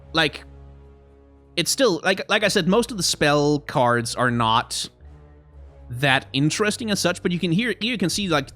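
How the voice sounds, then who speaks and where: A young man, a little hoarse, chatting casually on a live stream, rambling and answering his chat as he reviews card art. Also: mid-range voice, fairly bright tone. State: slightly hoarse.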